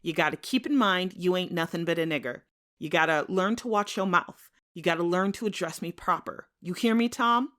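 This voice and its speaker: A woman's voice: lowish voice, moderate pace, a bit bright, close to an everyday voice. A woman reading as a stern threatening man. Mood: menacing. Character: cold threatening man holding a shotgun.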